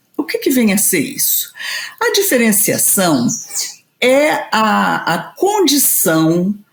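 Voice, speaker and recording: Very wide swings in pitch from a woman speaking very slowly. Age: 70s. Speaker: university professor. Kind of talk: lecture. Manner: hesitant with filler sounds.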